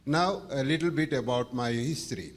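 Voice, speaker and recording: Man, mid pitch, formal and deliberate, asking a prepared question at a big meeting. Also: a little hiss or hum. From India. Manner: formal, deliberate, courteous wording. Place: large meeting hall, at an audience microphone.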